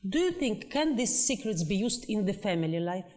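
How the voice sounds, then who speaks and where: Animated woman interviewer. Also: mid-range voice, moderate pace. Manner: animated, conversational questioning. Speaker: interviewer host. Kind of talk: interview questions.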